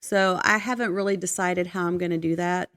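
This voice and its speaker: A woman's voice: fairly low pitch, steady tone, brisk, fairly bright tone, no room sound, clean studio sound. An American woman co-hosting a podcast in casual chat, matter-of-fact and opinionated as she airs her complaints. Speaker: podcast co-host.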